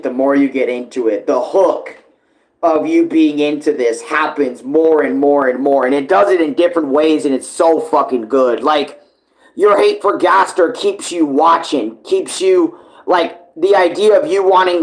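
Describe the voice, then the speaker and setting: A man with a slightly high voice hosts a casual live reaction. He talks earnestly, repeating points for emphasis and swearing freely. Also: poor audio. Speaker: reaction video host.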